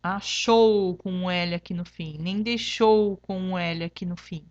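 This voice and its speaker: A woman's voice: lowish voice, measured pace, no echo, muffled recording. A woman teacher with a Brazilian Portuguese accent, patiently explaining a lesson and checking in with "tá?" after each point, spelling examples out syllable by syllable. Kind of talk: remote classroom lesson.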